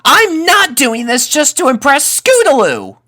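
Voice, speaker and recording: A man plays a young colt in a storybook tale, very high and bright in pitch and tone. He sounds like a nervous kid who gets defensive easily. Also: wildly swooping pitch, measured pace, full character voice. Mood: indignant. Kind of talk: acted character voice in fan fiction reading.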